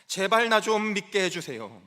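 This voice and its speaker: A desperate grown father pleads in anguish to be helped to believe, as a male preacher acts him out within a sermon. The voice is high and bright for a man and strains with urgency. He begs again and again. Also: sing-song, normal speed, full character voice. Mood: pleading.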